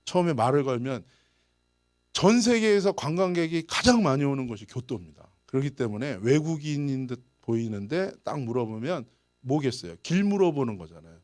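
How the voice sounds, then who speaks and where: Speaking a little fast at a medium pitch, a male pastor tells lively anecdotes during a church service sermon. He chuckles frequently and acts out the people in his stories, voicing their quoted lines, in studio-quality audio with no echo.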